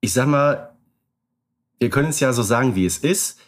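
A man co-hosting a podcast, chatting casually, relaxed and thinking aloud with frequent filler sounds. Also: medium pitch, normal speed. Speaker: podcast co-host.

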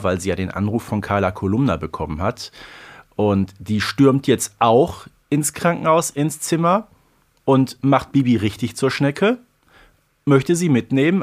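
Guy co-hosting a podcast, chatty and emphatic, lots of idioms, mid voice. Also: mid-range voice. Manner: colloquial, full of idioms, emphatic. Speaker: podcast co-host. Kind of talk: casual chat reviewing a radio play.

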